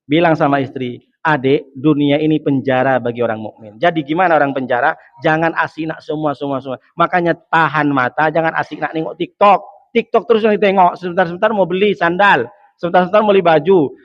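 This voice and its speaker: A male preacher giving a joking, lively sermon, asking the audience questions and rising in emphatic bursts. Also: a little high, quick pace, no echo. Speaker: preacher, ustadz. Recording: dull, dry lo-fi sound.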